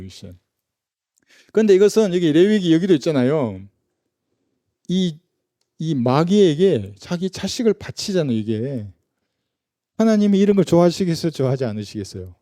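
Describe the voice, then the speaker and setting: Preaching casually in church, a male pastor with a Gyeongsang Korean accent uses a mellow, slightly high voice, tossing out rhetorical questions and briefly imitating those he quotes. The sound is clean studio audio with no echo.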